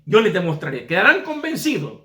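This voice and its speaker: A man preaching a sermon plays a drunk husband who talks in a loud, boastful and bossy way. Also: sits high, huge pitch swings, a little fast, reverberant, heavily acted.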